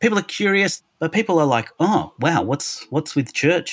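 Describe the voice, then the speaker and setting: A man with an Australian accent speaks at a moderate pace in a very clean recording with a silent background. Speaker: church planting director. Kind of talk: interview conversation.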